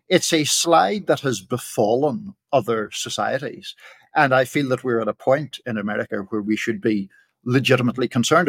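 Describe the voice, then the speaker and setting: A man with a Northern Irish accent weighs in as a political columnist on a reporters' panel. His voice has a gravelly, creaky edge. He talks in a measured, analytical way and often restarts his sentences mid-thought. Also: mid-range voice. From Northern Ireland. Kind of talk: panel discussion commentary.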